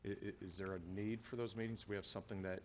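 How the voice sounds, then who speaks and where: A man's voice: lowish voice, flat delivery, racing, a little hiss or hum. A middle-aged American man talking informally as a council member at a desk microphone in a council chamber. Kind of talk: informal meeting discussion. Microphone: gooseneck desk microphone.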